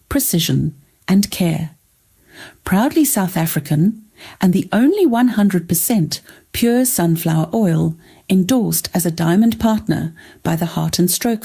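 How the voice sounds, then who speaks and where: A woman reads a scripted commercial in a soft, gentle way. Her voice is low, mellow and husky, with some vocal fry. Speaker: advert voice-over.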